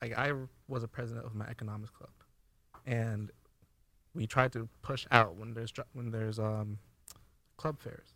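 A man speaks at a moderate pace with an American accent. His pitch is medium and his intonation fairly even. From New York. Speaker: business owner. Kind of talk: casual chat.

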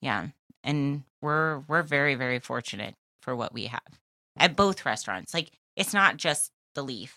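A woman speaks at a moderate pace with a very deep, low pitch, lively intonation and vocal fry. The sound is dry and close, with no echo. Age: 30s. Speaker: CrossFit athlete and restaurant owner. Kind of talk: casual chat.

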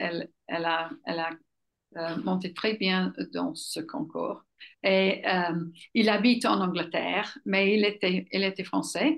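Speaking very slowly with lively intonation and vocal fry, a woman holds a medium pitch. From England. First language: English (speaking French). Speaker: equestrian judge and riding instructor. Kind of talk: casual interview. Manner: halting.

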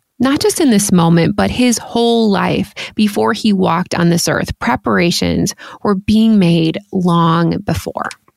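Speaking fairly slowly, a woman uses a fairly low pitch and lively intonation in an unremarkable speaking voice. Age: 40s. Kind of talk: faith-based solo podcast talk.

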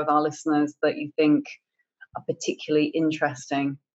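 A woman speaks with a very deep, low pitch. Her pace is fairly quick. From Harrogate, northern England. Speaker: podcast host. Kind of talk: interview chat.

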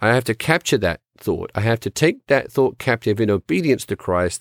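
With a normal speaking voice and lively intonation, a man talks at a moderate pace in a very clean, dry, close recording with a silent background and no echo. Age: 40s. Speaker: radio pastor. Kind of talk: radio sermon. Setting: radio broadcast.

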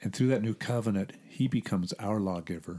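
In a plain, everyday voice with an American accent and ordinary pitch variation, the speaker is captured in a very clean recording against a silent background. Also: man. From California, US. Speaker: ministry president. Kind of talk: interview.

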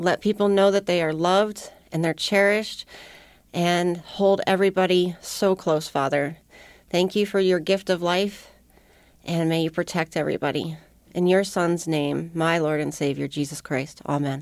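A woman's normal speaking voice with an American accent, fairly low in pitch, at a moderate pace and with fairly even intonation. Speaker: radio host. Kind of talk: radio talk show hosting and interview. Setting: studio.

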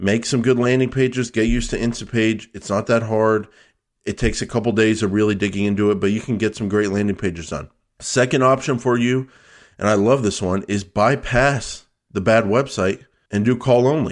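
A man's plain, everyday voice at a medium pitch, fairly quick and fairly even in intonation, over a quiet background. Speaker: podcast host. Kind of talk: podcast Q&A, giving advice. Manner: light-hearted, joking.

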